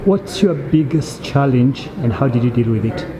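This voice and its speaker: A man's voice: medium pitch, animated, moderate pace, crowd noise, low-quality recording. A man asking short, plain interview questions as the interviewer.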